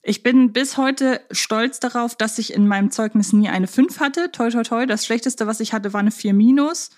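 A woman's voice: a little high, moderate pace, darkish tone. A woman co-hosting a podcast in a casual, humorous, chatty style. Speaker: podcast host.

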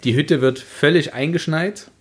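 A man's voice: fairly high pitch, moderate pace. A man co-hosting a podcast, talking through a book in a conversational, explanatory way. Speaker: podcast co-host. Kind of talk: casual book discussion.

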